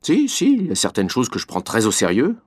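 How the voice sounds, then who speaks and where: A man's voice: mid-range voice, huge pitch swings, fairly quick, slightly rough, dry recording. A man reading a scripted dialogue with a wry, offhand manner and a mid-range voice. The recording is close and completely dry. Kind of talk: scripted dialogue for a language exam.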